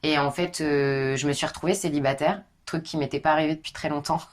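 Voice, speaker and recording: A young woman with a low, husky voice, chatting casually as a podcast guest and filling her talk with informal asides. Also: steady tone, fast talker. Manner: chatty, informal, many fillers.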